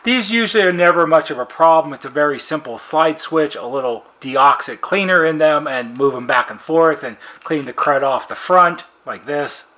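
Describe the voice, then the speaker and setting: Higher-pitched man explaining a repair. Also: moderate pace, hardly any pauses, bright, forceful tone. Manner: plain-spoken, methodical, explanatory. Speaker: repair technician presenting a how-to video. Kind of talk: casual hands-on instructional demonstration.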